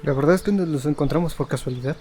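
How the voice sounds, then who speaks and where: A man's voice: a little high, racing, dark tone, slight background noise. A man hosting a gaming video, reading game dialogue aloud. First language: Spanish.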